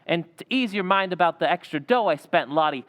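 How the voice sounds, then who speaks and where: A man playing a high-voiced, evasive young fellow. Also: animated, a little fast, fairly bright tone. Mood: nervous, evasive. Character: young broke guy on a date, evasive. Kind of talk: old-time radio drama acting. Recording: reverberant hall stage recording.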